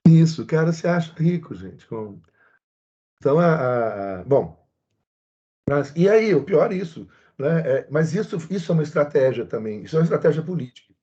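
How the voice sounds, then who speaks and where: Husky-voiced man telling a lecture anecdote. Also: medium pitch, dark tone. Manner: chatty, storytelling, frequent "né?" asides. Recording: husky voice, dull lo-fi sound.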